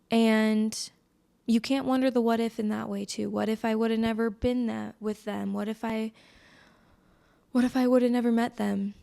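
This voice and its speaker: This American woman hosts a solo podcast, chatting casually into a close mic. Her mid-range voice is mellow with vocal fry, and it sounds scratchy and a bit congested.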